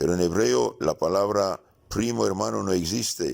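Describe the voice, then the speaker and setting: A man speaks at a fairly slow pace with a Middle Eastern accent. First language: Aramaic (speaking Spanish). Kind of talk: sermon. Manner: halting, with fillers and repetitions.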